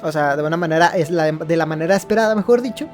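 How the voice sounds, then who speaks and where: Guy commenting on a game, highish voice, rambly, rewording himself, bit of music behind. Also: racing, darkish tone. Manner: rambling, searches for words and rephrases. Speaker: gaming video host.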